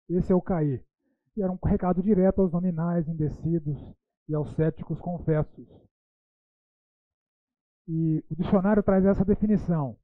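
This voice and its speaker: A man's voice: high-pitched, no room sound. A man teaching a Bible school lecture, posing rhetorical questions and tagging his sentences with "né". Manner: rhetorical questions, frequent "né" tags. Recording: tinny phone-like dry sound.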